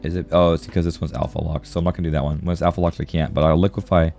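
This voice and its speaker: A man with a low voice, stuffed up from a sore throat, chats casually on a livestream as he draws. He talks to viewers in a friendly, slangy way. Music plays behind him. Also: little pitch movement, very fast, creaky, darkish tone. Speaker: art livestreamer. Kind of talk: casual livestream chat while drawing.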